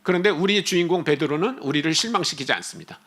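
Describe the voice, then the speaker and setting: A man preaching a sermon as a guest missionary, animated and humorous, with chatty asides to the congregation. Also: on the high side, quick pace, husky.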